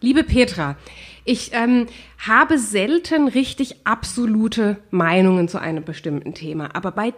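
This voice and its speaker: A woman's voice: medium pitch, expressive, unhurried. A woman in her thirties with a head cold and a runny nose, co-hosting a casual Q&A podcast and stating her opinions with emphasis. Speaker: podcast co-host.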